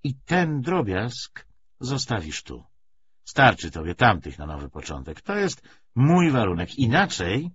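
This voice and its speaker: A man reading an audiobook, voicing a defiant, threatening woman with a sharp, insistent, sardonic manner. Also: medium pitch, huge pitch swings, unhurried. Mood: hard, demanding. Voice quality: hoarse, strained half-shout. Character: defiant, threatening woman bargaining hard for money. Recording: dull audiobook recording with faint noise.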